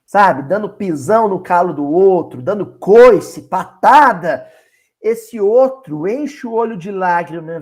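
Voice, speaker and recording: A man with a Minas Gerais Brazilian accent giving an expressive Bible study talk. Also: sits high. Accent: Minas Gerais Brazilian Portuguese. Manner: animated and expressive, slow and emphatic. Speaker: spiritist Bible study speaker.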